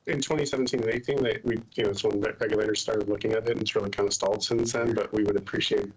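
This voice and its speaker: A man's voice: fairly low pitch, fairly even intonation, racing, husky, poor audio. A man speaking as a company executive, adding unscripted remarks on an investor call.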